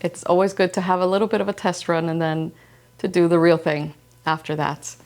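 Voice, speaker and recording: A woman from Iceland hosting a slow-living knitting podcast, speaking calmly and gently, first in reflective narration, then in casual chat. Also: on the low side. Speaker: podcast host. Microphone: wireless transmitter mic.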